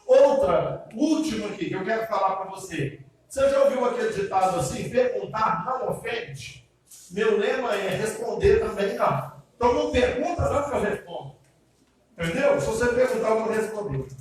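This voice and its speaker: Speaking as a pastor in a church hall, a man with a high, animated voice delivers a sermon at a moderate pace in a question-and-answer style. He's chatty, addresses the congregation directly and often checks in with questions. The very echoey recording catches him from a distance, with faint noise.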